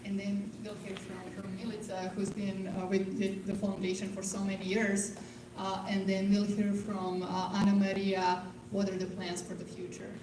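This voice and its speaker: A woman moderating a panel, putting questions to speakers in halting phrases. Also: mid-range voice, monotone. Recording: echoey, noisy conference room, distant mic.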